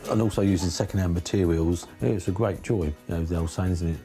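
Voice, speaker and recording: A man, a furniture maker, talking in a relaxed, heartfelt way in an interview. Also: low voice, fast talker, soft background music.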